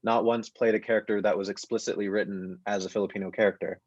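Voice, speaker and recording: Male, about 30, lower register, thoughtful and halting panel guest, dry but dull-sounding audio. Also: little pitch movement, darkish tone, no echo. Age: 30s. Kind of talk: reflective panel conversation. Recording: muffled, dull online-call audio.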